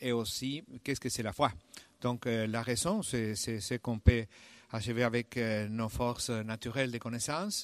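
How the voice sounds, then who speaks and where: A man with a non-native accent talks at a fairly slow pace, at a medium pitch with ordinary pitch variation. The sound is dry and close with no echo, over a quiet background. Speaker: priest and theology professor. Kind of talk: panel discussion. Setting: cathedral with audience. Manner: halting, searching for words.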